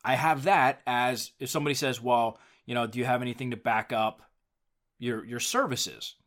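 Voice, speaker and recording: A man's voice: mid-range voice, steady tone, normal speed, fairly bright tone. A man hosting a solo podcast, talking casually and emphatically about business, often repeating words as he drives a point home. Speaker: podcast host; business coach and writer.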